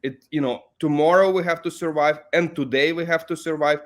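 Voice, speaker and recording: A man from Ukraine whose first language is Russian, a professor answering interview questions in English. He speaks in a deliberate, earnest way, often restarting phrases and adding "you know". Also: a little high, fairly even intonation.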